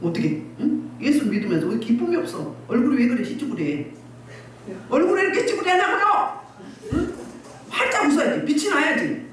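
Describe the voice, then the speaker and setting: A woman's voice: a little high, very animated, brisk. A woman pastor preaching a sermon, scolding and exhorting with rhetorical questions, recorded from a distance in a church hall. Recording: echoey distant church recording, faint noise.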